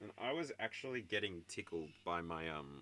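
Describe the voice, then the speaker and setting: A man with an Australian accent, very deep and low in pitch, a bright, sharp tone, at a fairly slow pace. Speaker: tarot reader. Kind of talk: live-stream tarot reading. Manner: casual, rambling.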